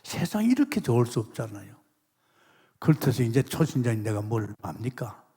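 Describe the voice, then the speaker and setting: Middle-aged male pastor, husky voice, sermon with testimony, emphatic swings to hushed asides, big reverberant church hall. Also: mid-range voice, big pitch swings, normal speed. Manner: emphatic preaching with sudden loud exclamations and hushed asides; testimony storytelling, acts out quoted voices. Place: large church sanctuary.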